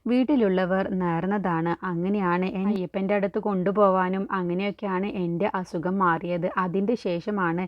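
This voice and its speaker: A woman voicing a young woman who hides her identity and explains things away softly. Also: fairly low pitch, fairly even intonation, moderate pace, hardly any pauses, no room sound, muffled recording, natural voice. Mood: explaining.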